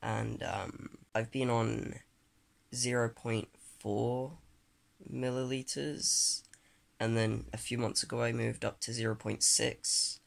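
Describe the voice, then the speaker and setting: Young trans man, late teens, vlog ramble, gravelly edge, lots of fillers, phone at arm's length, bedroom. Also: mid-range voice, little pitch movement, slow pace. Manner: candid, rambling, many fillers and restarts. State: groggy, just woken up. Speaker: vlogger. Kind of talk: casual personal vlog ramble. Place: small bedroom, then a desk in a bedroom, indoors. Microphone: phone or webcam at arm's length.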